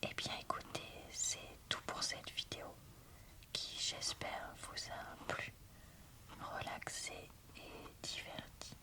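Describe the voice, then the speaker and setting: Woman, whispered ASMR review, breathy unvoiced delivery, crisp bright edge, informal and hesitant. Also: slow. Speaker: book reviewer, ASMR host.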